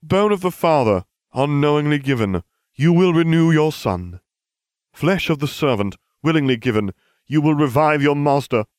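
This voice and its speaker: Man putting on a raised-pitch, chanting dark wizard. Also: expressive, normal speed, dry recording, studio quality, close to an everyday voice. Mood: solemn, fervent. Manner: declamatory, incantatory. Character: solemn male dark wizard servant chanting a ritual. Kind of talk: storybook character acting.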